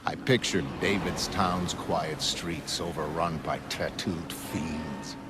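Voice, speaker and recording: A man playing a despairing shipwrecked sailor, narrating in a grim, slow, brooding way. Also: a bass voice, steady tone, heavy background noise. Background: music.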